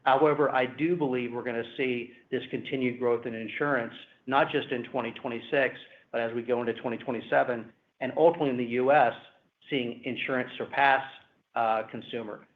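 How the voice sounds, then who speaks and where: A man speaking as a company executive, giving measured, hedging answers on an earnings call. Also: mid-range voice, fairly even intonation. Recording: roomy, phone-like conference call line.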